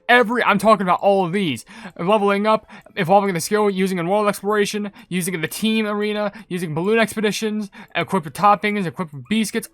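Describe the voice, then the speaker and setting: A man giving excited, casual game commentary in a rambling, emphatic way as a video creator. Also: high voice, dry recording.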